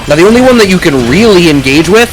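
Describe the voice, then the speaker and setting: Excitable man calling fighting game matches. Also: high-pitched, quick pace, low-quality recording. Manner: excitable, animated, bursts of shouting at big plays. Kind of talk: esports play-by-play commentary. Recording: music playing underneath.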